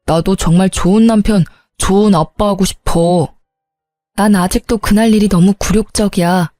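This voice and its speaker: A woman's voice: medium pitch, fairly even intonation, moderate pace, dark tone, no room sound, clean studio sound, soft background music, close to an everyday voice. A woman voicing a young husband begging his wife for forgiveness in a storybook narration, with a begging, wheedling manner. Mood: pleading. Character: pleading young husband, apologetic and remorseful.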